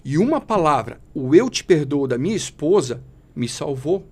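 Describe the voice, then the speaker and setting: A man's voice: on the high side, sing-song, normal speed. A man giving an emotional personal testimony as a podcast guest, speaking fervently and in a preachy way, often calling the listener brother.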